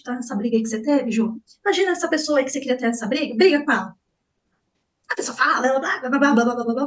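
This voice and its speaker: A woman's voice: high voice, distant mic, rough recording. A woman therapist teaching a live online class, talking animatedly and acting out little dialogues as she explains. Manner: animated, acts out dialogue, frequent "né?" and "tá?".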